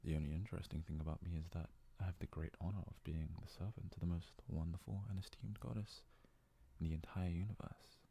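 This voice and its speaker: A man playing a devoted, self-abasing young yandere fox-boy servant in an ASMR roleplay, worshipful and hesitant, often slipping into breathy whispers. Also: low-pitched, steady tone, fast, mellow, heavily acted. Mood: eager devotion. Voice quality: husky, gravelly, breathy, often dropping to a whisper.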